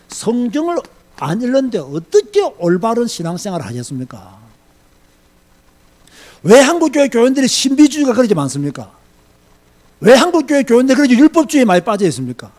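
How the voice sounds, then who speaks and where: A man's voice: very high-pitched, darkish tone. A man pastor giving an emphatic sermon-style Bible lecture, firing rhetorical questions and repeating key points.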